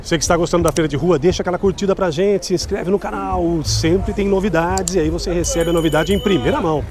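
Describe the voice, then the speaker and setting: A man's voice: high-pitched, steady tone, fast talker, a little mellow, soft background music. A middle-aged man, vlogging a tour of a street market at night and chattily promoting clothes and prices. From Brazil. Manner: chatty and promotional, keeps asking vendors prices. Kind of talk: upbeat sales walkthrough.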